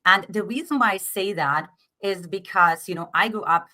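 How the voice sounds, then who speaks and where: A middle-aged dating coach from Eastern Germany, speaking with a German accent, earnestly explains her ideas in an interview, often checking in with "right?" Her mid-range voice has a sharp tone and a moderate pace.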